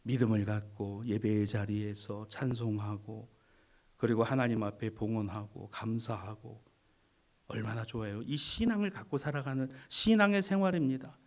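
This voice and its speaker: A male pastor preaching a sermon, animated and teasing, with sudden drops to a hush. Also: fairly low pitch, moderate pace. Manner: animated preaching, swings from loud to hushed, teasing the congregation.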